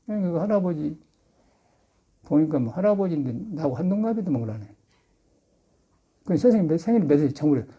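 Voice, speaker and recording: A man's voice: on the high side, lively intonation, quick pace, pauses often, dark tone, husky. An older man, a Buddhist monk, giving a folksy Sunday sermon full of anecdotes and laughter. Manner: chatty storytelling with laughter. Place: temple dharma hall.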